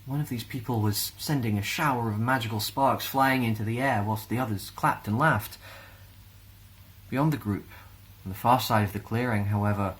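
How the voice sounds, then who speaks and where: A man with a Scottish accent reading a children's fantasy story aloud in a gentle, expressive way. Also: mid-range voice, moderate pace, rough recording. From Scotland.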